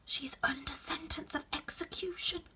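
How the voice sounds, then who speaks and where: A woman voicing a nervous, timid storybook white rabbit in a hushed, hurried, anxious manner. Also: high voice, fairly even intonation, whispered, pitched above the performer's own voice. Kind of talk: children's storybook read-aloud.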